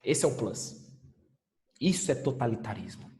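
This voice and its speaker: A male history teacher delivers a recorded lecture emphatically, using rhetorical questions and repeating his points. His mid-range voice is warm with lively intonation at a normal pace, in an echoey room with long reverb.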